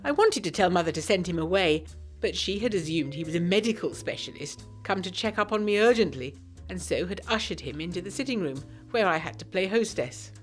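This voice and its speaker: A woman's voice: lowish voice, lively intonation, brisk, soft background music, natural voice. A woman playing a genteel, secretive young 1920s Englishwoman, narrating a gothic audio drama in a refined, confiding way. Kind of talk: scripted first-person audio drama narration.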